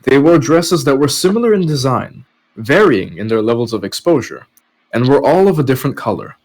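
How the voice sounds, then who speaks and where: A man's voice: medium pitch, sing-song, fairly quick, a little mellow, rough recording. A man narrating a web novel chapter as a podcast host, reading scripted prose aloud. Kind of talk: story narration with casual asides.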